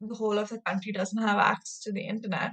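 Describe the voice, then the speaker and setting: A woman with a Kannada accent talks at a fairly high pitch. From India, Karnataka. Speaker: climate activist. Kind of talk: podcast interview.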